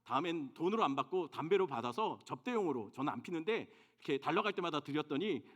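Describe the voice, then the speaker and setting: A man's voice: a little high, lively intonation, quick pace. A male senior pastor preaching a sermon in church, talking to the congregation and often putting questions to them. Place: church sanctuary.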